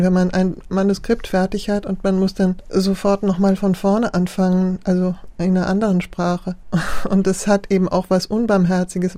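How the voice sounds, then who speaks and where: A middle-aged woman from Germany answers interview questions in a reflective, halting way, restarting sentences as she thinks. Her voice sits low and mellow, with little rise and fall. The sound is close and dry. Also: no echo. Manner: reflective, hesitant, with restarts and soft laughs. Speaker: author and translator.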